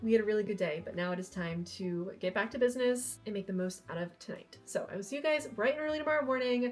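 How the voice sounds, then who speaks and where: Over music in the background, a woman of medium pitch talks at a fairly quick pace. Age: 20s. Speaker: lifestyle vlogger. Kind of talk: casual vlog talk to camera.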